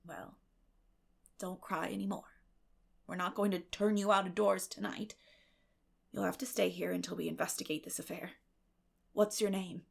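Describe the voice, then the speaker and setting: A woman voicing a stern, practical older woman with a brisk, no-nonsense way of speaking in a storybook reading. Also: on the low side, steady tone, vocal fry, husky, full character voice. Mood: brusque, reluctant.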